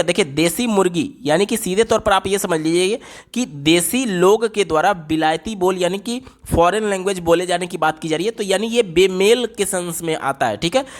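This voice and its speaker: Man, high voice, exam tutor, step-by-step explanations, close voice-over. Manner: explains step by step, often repeating "ye galat ho gaya". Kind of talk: exam paper walkthrough.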